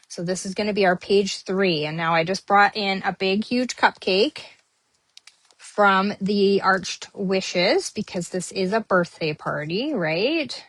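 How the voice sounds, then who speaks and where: A woman's voice: medium pitch, a bit bright, no echo. Female craft host, talks with a friendly ramble while working, dry close mic. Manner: chatty, many ums, talks while working. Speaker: papercrafting host. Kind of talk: casual crafting tutorial.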